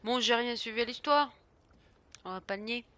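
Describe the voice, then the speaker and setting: A young woman streaming a video game, chatting excitably and swearing as she plays. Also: fairly high pitch, normal speed. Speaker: gaming streamer. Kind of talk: casual let's-play commentary.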